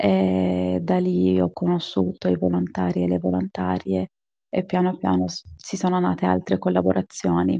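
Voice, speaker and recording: A woman speaks with a non-native accent at a fairly slow pace. Her loudness stays very even. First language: not Italian (speaking Italian). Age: young. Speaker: human rights activist. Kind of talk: radio interview monologue.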